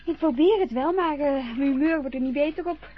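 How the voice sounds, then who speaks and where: A woman's voice: high voice, brisk, natural voice. An actress in a radio play voicing a young woman who lip-syncs and dreams of stardom, talking eagerly and hesitating with many fillers. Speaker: lip-sync performer. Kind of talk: Dutch radio play acting. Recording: dull lo-fi radio play recording.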